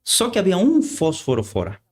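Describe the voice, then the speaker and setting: A man's voice: high voice, huge pitch swings. Argentine guy, spanish is his first language, earnest preachy interview talk, lots of restarts and um's. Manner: earnest, halting, many repeated words and fillers. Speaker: guest preacher.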